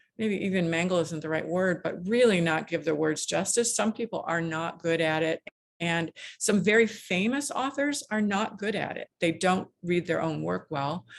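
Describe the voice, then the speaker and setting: A woman with a Midwestern accent speaks at a moderate pace in a fairly low voice, her pitch rising and falling in an ordinary way. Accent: Midwestern twang. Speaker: author. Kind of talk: casual chat.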